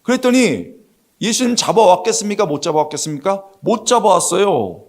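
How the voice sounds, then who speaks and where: A middle-aged man preaches in a church, telling the scripture like a story and slipping into the voices of its characters. His voice sits on the high side and swings widely in pitch. He keeps asking the congregation questions to draw them in. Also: animated, a little fast. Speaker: pastor. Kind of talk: lively sermon with acted-out quotes. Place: church sanctuary.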